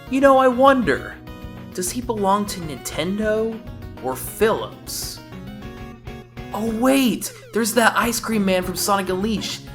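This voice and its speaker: Male reviewer: sarcastic scripted commentary, mid pitch with big swings, faint music bed. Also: sharp tone. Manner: wry, sarcastic. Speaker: game reviewer.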